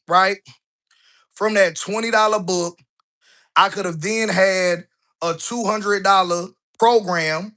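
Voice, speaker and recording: A man in his thirties vlogs as he walks indoors through his office floors, a little out of breath. His voice sits high and sounds bright and forward. He talks loosely and conversationally, tossing in rhetorical questions. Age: 30s. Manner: conversational, asks rhetorical "right?" often; colloquial, relaxed grammar. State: a bit out of breath while walking. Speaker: business vlogger. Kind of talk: casual walking vlog.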